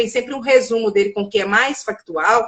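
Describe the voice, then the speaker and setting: A woman speaks in an animated tone. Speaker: journalist. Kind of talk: interview. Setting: live stream. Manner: fast.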